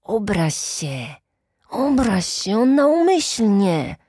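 A woman's voice: deep voice, sing-song, unhurried, a little mellow, no room sound, exaggerated voice. Tiny hungry storybook imp, nagging and sly, woman doing the voice, dry close sound. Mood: pestering. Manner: nagging, insistent. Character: tiny mischievous male imp, hungry and pestering.

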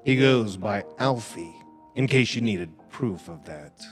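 A man playing a wry, snide storyteller in an audio drama, narrating with sardonic, deliberate asides about the characters. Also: on the low side, expressive. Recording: music bed behind the voice.

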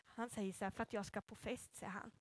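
A woman telling a Bible story to children in a playful, animated way and bringing up child volunteers. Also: mid-range voice, no room sound. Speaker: children's church leader.

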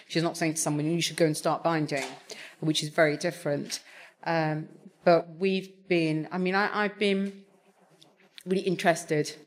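A woman talking on a panel, hesitant, with many fillers and restarts. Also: deep voice. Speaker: TV executive on a panel. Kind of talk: conversational panel talk.

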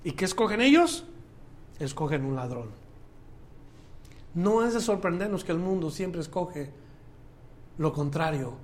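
Male pastor, high-pitched, emphatic sermon delivery with loud peaks and soft drops. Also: expressive, unhurried, long pauses, a little hiss or hum. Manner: preaching with rising emphatic bursts and quiet drops.

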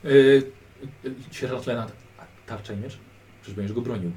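A man's voice: on the low side, fairly even intonation, moderate pace, a little mellow. Man as game master, patient and instructive, distant mic, faint background noise. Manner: patient, instructive, drill-like repetition. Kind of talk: narrating a tabletop game in character.

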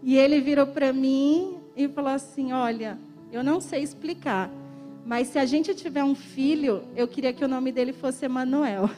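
A woman's voice: high voice, unhurried, dark tone, long reverb tail, soft background music. A woman giving a personal testimony in a church, emotional, often laughing and acting out the dialogue she retells.

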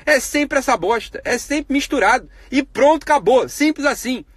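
A man's voice: very high voice, expressive, normal speed, a bit bright, husky, no room sound. A man hosting a live stream, giving a blunt, profane monologue on ethics full of rhetorical questions. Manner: grows heated and emphatic.

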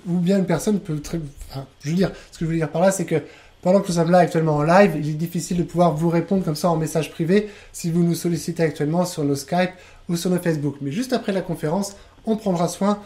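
Guy running a live webinar, warm mellow voice, chatty and enthusiastic, lots of restarts. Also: fairly high pitch, fast. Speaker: online trainer and webinar host.

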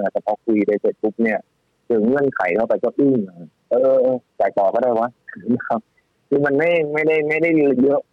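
A man talks through stock picks quickly, with restarts and fillers. His voice sits low and dry. It comes through a narrow, phone-like line with faint music under it. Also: dry recording. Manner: animated, speaks fast with many restarts and fillers. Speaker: stock market guest analyst. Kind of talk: casual financial talk.

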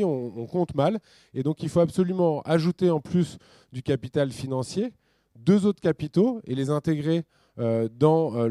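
This man speaks at a conference with slides, in a loose, conversational way full of restarts and wry asides. His voice sounds warm and mellow. It is recorded dry and close, with no room sound. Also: medium pitch, no room sound. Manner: casual, animated, with many fillers and restarts; colloquial and ironic asides. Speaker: speaker at a business talk.

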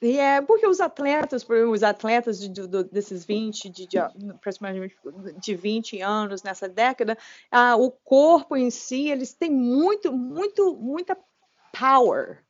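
A Brazilian woman in her late forties with a Brazilian Portuguese accent, a trail runner talking as a guest. She speaks in animated bursts with many restarts. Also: fairly high pitch, measured pace, no echo. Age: late 40s. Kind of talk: casual interview conversation. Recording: dull lo-fi podcast audio.

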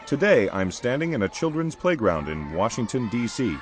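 An actor playing a street reporter, asking friendly, scripted questions outdoors at a playground. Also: male voice, medium pitch, very animated, normal speed, a faint crowd, close to an everyday voice.

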